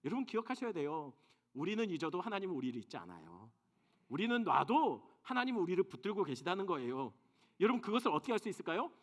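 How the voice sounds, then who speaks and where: Animated high-voiced male pastor preaching. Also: quick pace. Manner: animated preaching, asks the congregation questions. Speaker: senior pastor. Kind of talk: sermon. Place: church sanctuary.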